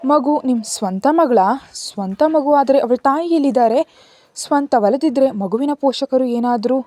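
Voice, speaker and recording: An earnest, anxious young woman, as a woman storyteller puts her on, pressing with questions. Her voice rides noticeably higher than the narration, with a mellow, dark colour. The sound is close and dry. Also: a little slow, no room sound. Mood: questioning.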